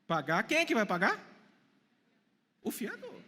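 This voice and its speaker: A pastor in his forties delivers an unhurried sermon in a church hall, his high, lively voice leaping up and down. He asks the congregation questions and answers them himself, while a long reverb trails each phrase.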